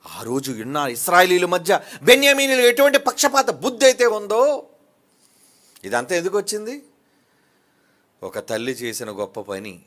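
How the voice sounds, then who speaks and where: A male pastor preaching a sermon, rising from quiet asides to loud peaks, firing off rhetorical questions and mimicking gossips. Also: sits high.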